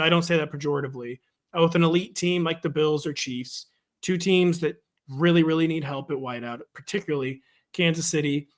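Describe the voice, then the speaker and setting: A man co-hosting a casual sports chat, wry and joking, talking quickly and loosely. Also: on the high side, a bit bright. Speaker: podcast co-host. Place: home in the Midwest.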